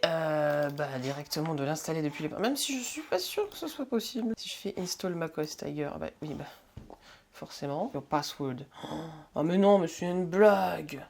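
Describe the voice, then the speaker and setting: A young man talks through a hands-on tech session at his home desk in a loose, casual vlog style. He mutters half to himself, swears offhandedly and chuckles as things go wrong. His voice sits fairly high for a man. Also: a little hiss or hum. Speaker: tech vlogger.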